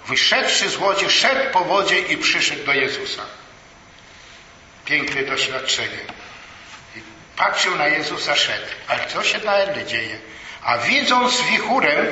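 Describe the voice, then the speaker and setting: Slow, bright-voiced preacher in an echoey hall. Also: male voice, fairly high pitch, distant mic, muffled recording, slight background noise. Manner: slow, emphatic preaching with rising and falling emphasis. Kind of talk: sermon.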